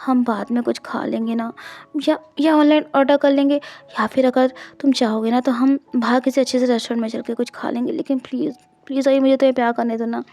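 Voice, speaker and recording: A woman voicing a doting, seductive husband in an audiobook, with a low, hushed, coaxing delivery. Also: fairly even intonation, fairly quick. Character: adult man, doting, seductive, pleading husband.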